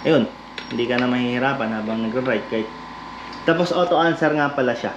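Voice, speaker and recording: A Filipino man talks like a vlog host showing something to a buddy, informal and joking. His voice sits at a middle pitch. The recording is slightly dull, with clear ambient noise behind him. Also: fairly quick. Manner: jokey, informal, addresses listener as brother. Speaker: vlog host giving away and demonstrating a product. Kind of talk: casual chat and hands-on demonstration. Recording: noisy lo-fi recording with vehicle ambience.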